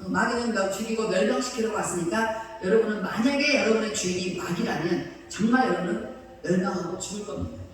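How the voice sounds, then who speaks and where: A woman pastor preaching a sermon in an animated, colloquial way, acting out quotes. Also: medium pitch, brisk, a little hiss or hum. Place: church sanctuary. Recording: echoey church hall, distant mic.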